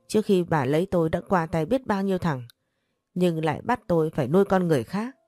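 Bitter, accusing old head of house, cold and unforgiving, read by a woman narrator, low warm tone, storybook. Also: dry recording, natural voice. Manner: harsh, accusing. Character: stern aging male patriarch, betrayed and cold.

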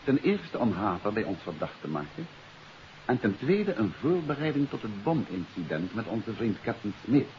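An actor playing a confident detective who explains a case in an assured, emphatic way, in 1950s radio drama style. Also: male voice, lowish voice, very animated, normal speed, darkish tone. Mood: assured explaining. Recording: dull, hissy 1950s radio recording.

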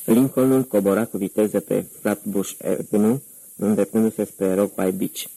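A man reads a crime novel aloud in a measured audiobook narration. His voice is very deep and gravelly, with a husky edge, heard in a dry, close recording. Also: warm tone, no echo, poor audio.

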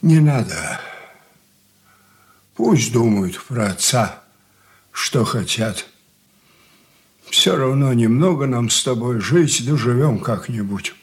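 An actor playing an aging stern merchant father in a radio drama, talking in a slow, heavy, brooding way. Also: mid-range voice, lively intonation. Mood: despairing. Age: older. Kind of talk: 1980s studio radio drama acting.

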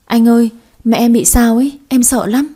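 Woman playing frightened young daughter, husky, mellow. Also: fast. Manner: pleading, higher and louder.

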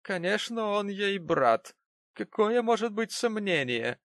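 A man's voice: sits high, big pitch swings, slow pace, fairly bright tone, no echo, voice pushed up, heavily acted. A man voicing a scornful, snobbish middle-aged rich wife in an audiobook reading. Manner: scornful, sneering.

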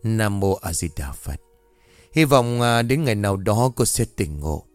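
A man voicing an old Buddhist monk who speaks in a low, grave, admonishing tone. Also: very animated, no room sound, faint music behind, natural voice. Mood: solemn. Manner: low, slow, solemn admonishing.

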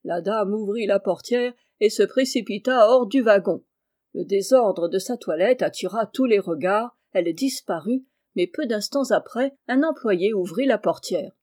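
Audiobook reader, woman, mellow and expressive, steady narration. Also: medium pitch, normal speed. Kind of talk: reading a classic novel aloud.

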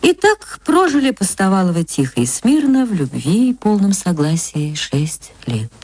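A woman narrating a classic story for radio in a measured, expressive way, on an archival recording. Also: mid-range voice, breathy edge. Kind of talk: literary reading for radio.

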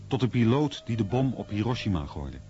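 A man's voice: on the low side, big pitch swings, fairly quick, dark tone, slight background noise. A man narrating a scripted documentary as its narrator. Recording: muffled radio recording over music. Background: faint music.

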